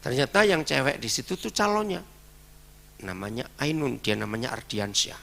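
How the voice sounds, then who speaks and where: A male preacher with an Indonesian accent delivers a sermon in a lively, storytelling way. His voice is bright and gravelly, and his pitch swings widely as he acts out conversations. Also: normal speed. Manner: animated, acting out dialogue in his story.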